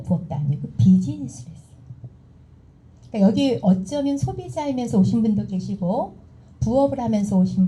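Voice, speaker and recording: A middle-aged woman giving a motivational seminar talk, animated and acting out the dialogue she recounts to the audience. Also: on the high side, poor audio. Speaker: seminar speaker.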